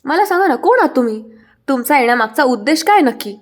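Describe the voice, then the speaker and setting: A woman's voice: a little high, animated, brisk, close to an everyday voice. A woman voicing an angry young male boss who snaps curt, suspicious demands in a recap of a TV serial. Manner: shouting, curt, mixes in English phrases.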